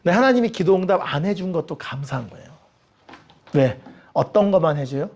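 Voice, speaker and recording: A man's voice: sits high, a little fast. A man teaching a Bible study with humor, asking the audience questions and acting out the people he quotes. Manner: lively, humorous, acts out quoted voices.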